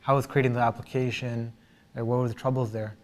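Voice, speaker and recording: A man's voice: mid-range voice, little pitch movement, fairly quick. A man hosting a casual interview, asking rambling questions that he often corrects midway. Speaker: podcast host, interviewer.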